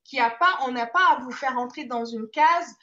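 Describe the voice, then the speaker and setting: A woman guest on a live chat show speaks as an image consultant, hesitant and full of fillers. Her voice is high, bright and sharp. The audio is muffled, like a live stream. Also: fairly quick.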